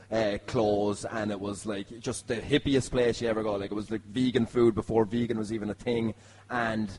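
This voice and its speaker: An Irish man hosting a podcast, telling a comic story to friends in a sweary, animated way. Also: mid-range voice, poor audio. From Ireland. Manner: animated, sweary, punctuated by laughter. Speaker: podcast host. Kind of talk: comic anecdote among friends.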